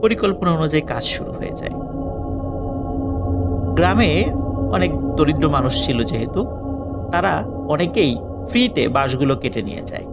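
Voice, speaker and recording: Male horror narrator, gravelly voice, dramatic pauses, loud music bed under him. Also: on the high side, lively intonation. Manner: dramatic pauses, swinging between loud and hushed. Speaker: storyteller. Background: loud eerie music.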